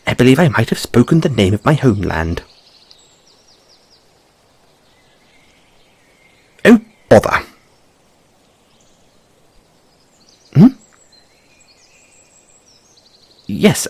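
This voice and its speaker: A man's voice: mid-range voice, wildly swooping pitch, normal speed, slightly rough, no room sound, full character voice. A man voicing a curious, fussy white rabbit boy in a fantasy audio roleplay, musing theatrically with quaint, questioning phrasing. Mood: flustered, astonished.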